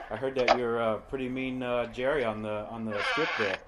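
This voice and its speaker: A man's voice: medium pitch, steady tone, moderate pace, background noise. A young man hosting a casual podcast chat, hesitant and full of fillers and restarts. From Long Island, New York. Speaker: podcast host.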